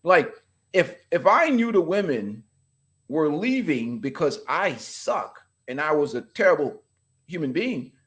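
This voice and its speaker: Animated higher-voiced man from the Bahamas. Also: a little slow. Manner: emphatic, animated, laughs while talking. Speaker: podcast guest. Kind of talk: casual opinionated podcast talk.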